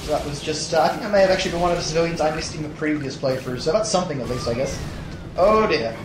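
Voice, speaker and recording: A young man with a tired, hoarse voice, casually commenting on a platformer as a let's play host, rambling with many fillers and restarts. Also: a little high, fast talker, echoey room, noisy background. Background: game music.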